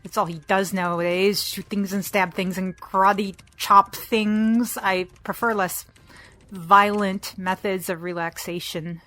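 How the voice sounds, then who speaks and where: An actress playing a sardonic, condescending crime boss in an audio drama with a dry, wry delivery. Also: female voice, mid-range voice, steady tone, unhurried, fairly bright tone, natural voice. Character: cool, sardonic female villainous boss.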